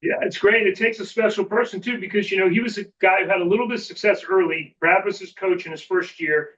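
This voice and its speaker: A man's voice: high voice, steady tone, fast, a bit bright, far from the mic, lo-fi sound. A man speaking as an interview guest in a casual, reflective way, informally checking in with the listener as he goes. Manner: informal, reflective, often checks in with 'you know'. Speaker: sports executive, podcast guest.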